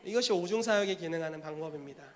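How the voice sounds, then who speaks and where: A male pastor preaching a sermon in an animated way, acting out scenes as he goes. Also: fairly high pitch, racing.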